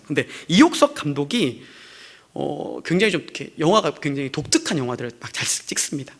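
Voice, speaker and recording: A man's voice: fairly high pitch, a bit bright. A man preaching a sermon as a pastor to his congregation in church, in a conversational way with rhetorical questions. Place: church sanctuary.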